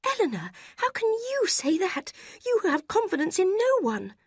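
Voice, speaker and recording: A woman's voice: no room sound, clean studio sound. Woman putting on an eager restless young woman. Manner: high excited quick outbursts.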